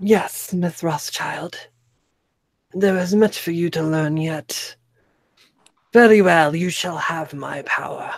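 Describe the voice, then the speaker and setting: This put-on character voice sits at a middle pitch and leaves long, frequent pauses. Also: fairly slow pace. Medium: actual play. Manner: lofty, cryptic, condescending.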